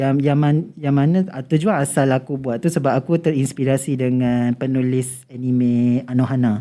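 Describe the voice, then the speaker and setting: Hardly any pauses break up this speech, which keeps a moderate pace. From Malaysia, Kelantan. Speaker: novelist. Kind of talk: casual interview. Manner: halting, many restarts.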